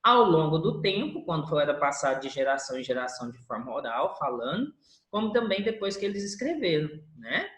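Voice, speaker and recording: A female teacher with a low-pitched voice gives a brisk recorded review lesson in an echoey room. Her pitch swings widely, and she stretches stressed syllables to show how the words are stressed.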